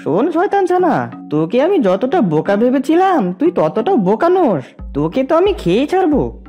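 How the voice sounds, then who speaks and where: A woman's voice: high-pitched, huge pitch swings, normal speed, warm tone, soft background music. A woman voicing a sly, scheming fox in a children's cartoon, wheedling as a false kindly uncle. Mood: angry, threatening. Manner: wheedling, scheming, swooping delivery.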